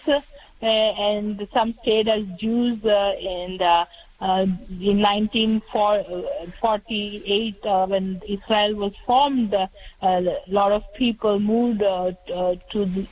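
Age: middle-aged. Origin: India. Role: radio caller on a tinny phone line. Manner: hesitant, many fillers. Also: female voice, mid-range voice. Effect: phone-line call-in voice. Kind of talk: call-in question.

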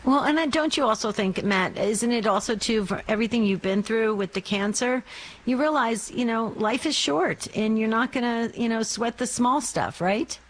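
A woman co-hosting a radio talk show, talking to a caller in a bubbly, caring way and asking quick questions. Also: fairly high pitch, poor audio.

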